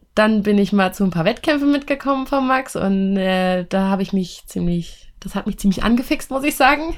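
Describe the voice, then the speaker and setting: With ordinary pitch variation, the speech keeps a moderate pace. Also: woman. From Rhön region, Hesse, Germany. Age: 20s. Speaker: co-host, trainee educator. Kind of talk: casual chat. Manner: hesitant, many fillers and laughs.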